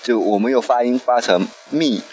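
A man's voice: mid-range voice, normal speed, a crowd in the background, poor audio. A man teaching Hokkien phrases in a casual chat, patiently explaining with dry humor. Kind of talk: casual language lesson chat.

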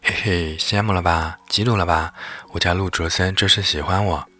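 A man voicing a cheeky, clingy high-school girl, talking in a whiny, playful way, with husky breath. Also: steady tone, moderate pace, sharp tone, soft background music.

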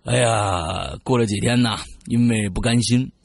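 Gravelly man telling a ghost story. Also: medium pitch, measured pace, no echo. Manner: animated, dramatic storytelling. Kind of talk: casual spoken ghost story.

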